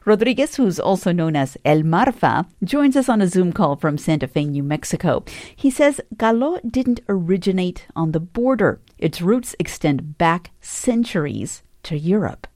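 A woman hosting a public radio program, with a measured, clear delivery. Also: on the low side, very animated, darkish tone, no room sound, studio quality. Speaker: radio host.

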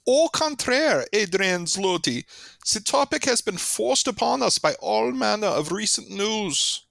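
Fussy German professor, German accent, high and gravelly, swooping pitch. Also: male voice, lively intonation, a little slow, fairly bright tone, dry recording, exaggerated voice. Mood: scornful. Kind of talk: radio comedy sketch.

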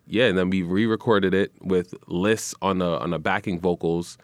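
A man's voice: moderate pace, no echo. A young man, chatting easily as a guest in a radio studio. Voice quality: deep voice. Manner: relaxed, easygoing, says "man" and "you know" often. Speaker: guest musician and radio personality. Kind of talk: casual interview chat.

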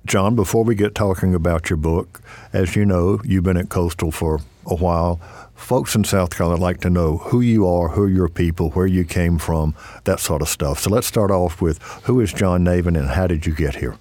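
Deep, mellow-voiced interview host. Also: male voice, moderate pace, no echo. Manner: relaxed, conversational questioning.

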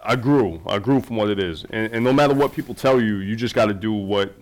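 Lower-voiced man, loose and rambling. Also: fairly quick. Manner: loose, rambling, fillers and restarts. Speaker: documentary filmmaker. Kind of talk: casual conversation.

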